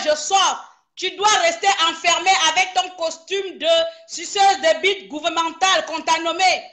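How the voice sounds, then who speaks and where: A woman's voice: high-pitched, pushed and bright. A woman from Gabon speaking in a live social media rant. She scolds in a confrontational way and slips into broken English. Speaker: online activist.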